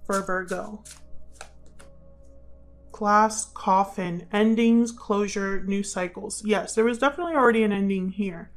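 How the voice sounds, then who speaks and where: A woman's voice: medium pitch, measured pace, soft background music. A woman hosting a casual tarot reading for viewers, musing aloud as she explains and calls on spirit guides. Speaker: tarot reader and channel host.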